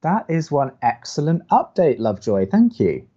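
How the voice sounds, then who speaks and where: A man acting as a young college radio co-host, dry, skeptical and sarcastic, with halting delivery in an audio drama. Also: on the high side, sing-song, dark tone, husky, dull audio. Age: young adult. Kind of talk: naturalistic audio drama banter.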